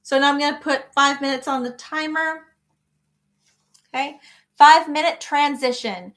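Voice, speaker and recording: A woman's voice: high-pitched, steady tone, measured pace, a bit bright. A woman hosting a live crochet session, chatting casually and answering viewer comments by name in an encouraging way. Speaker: crochet livestream host. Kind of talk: casual livestream chat reading comments.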